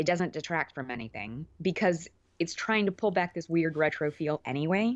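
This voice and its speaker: A woman with an American accent and a plain, everyday voice speaks at a fairly low pitch and moderate pace with lively intonation. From US South, Alabama. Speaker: podcast co-host, guest. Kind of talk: casual chat.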